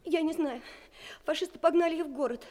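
A woman's voice: high voice, fairly quick, mellow, close to an everyday voice. A woman playing a brave, earnest young daughter of a Soviet commander in a radio drama, speaking simply like a child. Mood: subdued, grave.

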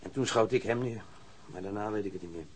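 A man's voice: lowish voice, a little mellow, slight background noise, lightly acted. An actor playing a wounded, subdued patrol policeman who speaks hesitantly in a radio drama. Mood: recounting. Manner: hesitant, halting recollection.

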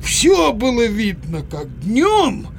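A slow, swooping, grumbling Cossack villager. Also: male voice, very high-pitched, wildly swooping pitch, creaky, a little hiss or hum, heavily acted. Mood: grumbling, indignant. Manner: drawn-out, exclamatory, muttering grumble. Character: grumbling, exclaiming village Cossack godfather, indecisive and sociable. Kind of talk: theatrical audio play acting.

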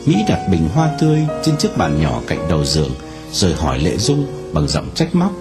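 A man narrating a novel aloud in an expressive storytelling manner. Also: normal speed, creaky, music in the background. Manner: expressive storytelling with wide swings in pitch.

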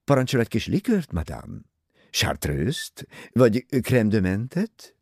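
A man's voice: lowish voice, big pitch swings, a little mellow, breathy edge, dry recording, studio quality, voice pushed up, heavily acted. A man voicing a courteous, gallant older detective who speaks politely and formally.

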